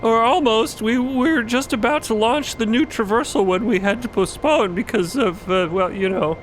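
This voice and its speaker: A man's voice: very high voice, normal speed, a little hiss or hum, pitched above the performer's own voice, poor audio. A man voicing a young, earnest and flustered timekeeper officer in a fantasy audio drama, formal and hesitantly polite. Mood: nervous, polite.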